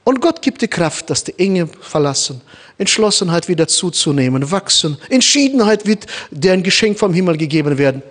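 Animated preacher with a foreign accent. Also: male voice, high voice, normal speed. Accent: Kazakh-born, speaking German with a noticeable foreign accent. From Kazakhstan. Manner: animated, addresses the congregation directly, acts out little scenes. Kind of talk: sermon.

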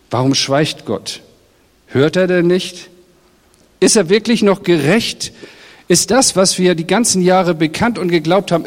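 A middle-aged man, a pastor, giving a sermon in a direct, conversational way and speaking straight to his congregation. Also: high voice. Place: church hall. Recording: long reverb of a church hall.

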